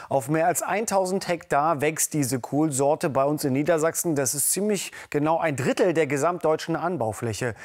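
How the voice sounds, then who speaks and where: A man presenting regional news in a clear, deliberate scripted style. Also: on the high side.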